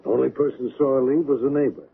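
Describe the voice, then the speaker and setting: An actor playing a sober, resigned, skeptical friend in a 1970s radio drama. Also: male voice, mid-range voice, fairly even intonation, quick pace, gravelly, close to an everyday voice. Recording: narrow-band old radio, background noise.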